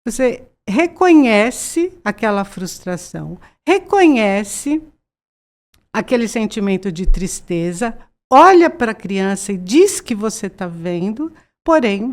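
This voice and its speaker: A woman's voice: medium pitch, sing-song, unhurried, darkish tone. A Brazilian woman in her sixties, a psychologist guest, earnestly explaining ideas with many fillers and repeats. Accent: Brazilian Portuguese. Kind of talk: conversational explanation.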